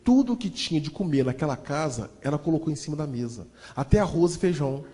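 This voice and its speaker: Male motivational speaker, high, theatrical, comic storyteller, reverberant hall. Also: fast. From Brazil. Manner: animated, addresses audience as "gente", acts out voices. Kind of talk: comic storytelling talk to a live audience.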